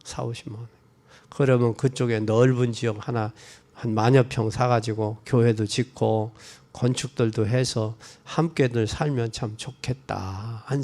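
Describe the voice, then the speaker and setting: A man's voice: mid-range voice, warm tone. A man preaching a sermon, asking the congregation questions and answering them himself, raising his voice when quoting scripture. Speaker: pastor.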